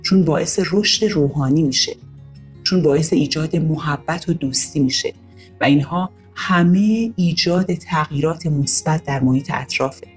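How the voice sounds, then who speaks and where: Woman, storyteller, children's story narration, animated intonation, faint background music. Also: low-pitched. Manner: expressive, gently paced reading.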